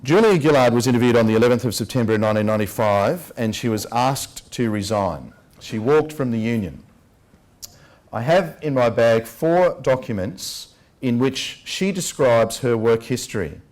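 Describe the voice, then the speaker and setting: A man's voice: medium pitch, lively intonation, darkish tone. Emphatic Australian man giving a public address. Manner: emphatic, rhetorical, deliberate stresses. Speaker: public speaker, lecturer. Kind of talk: public address, investigative lecture. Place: public talk at a venue.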